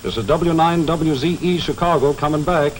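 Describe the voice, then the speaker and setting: A man playing an amateur radio operator calling for any station, spelling out his call sign in a measured, clipped delivery. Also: fairly high pitch, a little hiss or hum, lightly acted. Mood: formal. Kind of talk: ham radio call with call signs.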